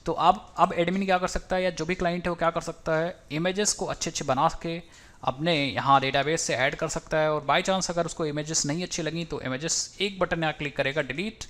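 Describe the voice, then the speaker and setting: A man walks through a coding tutorial at his desk, talking casually and thinking aloud. His voice sits a little high, and he drops English technical terms into his speech. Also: fairly even intonation, fairly quick, fairly bright tone. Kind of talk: screen-recorded coding tutorial.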